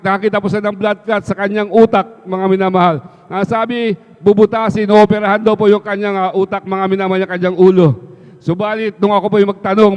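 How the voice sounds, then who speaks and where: A church member with a Filipino accent talks quickly during a service, his high voice clean and slightly mellow as he gives testimony. He keeps repeating "mga minamahal" after almost every phrase. The live stream from the church hall sounds flat and reverberant.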